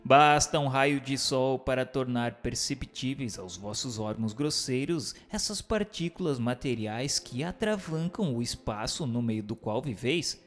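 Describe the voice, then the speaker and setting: A man's voice: mid-range voice, animated, a little slow, few pauses, faint music behind. A man giving a formal, declamatory scripted reading as a narrator, in a question-and-answer style. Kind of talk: scripted dramatized reading of a spiritist book.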